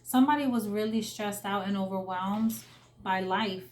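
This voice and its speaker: This young adult woman, a tarot reader, gives a casual spoken reading in an earnest, emotional way, stumbling through lots of fillers and restarts. Her pitch is medium, her speed normal, and the recording is reverberant.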